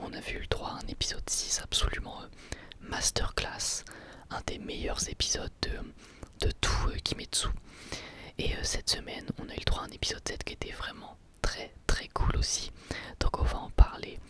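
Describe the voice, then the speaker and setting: A man hosting an ASMR anime review in a breathy, unvoiced whisper, with halting, hesitant phrasing. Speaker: host of an anime review channel.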